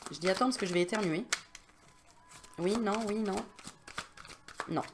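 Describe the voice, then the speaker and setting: A woman's voice: mid-range voice, normal speed, background noise. A woman medium giving a casual card reading straight to the viewer, chatty and familiar, coaxing and reassuring with lots of fillers.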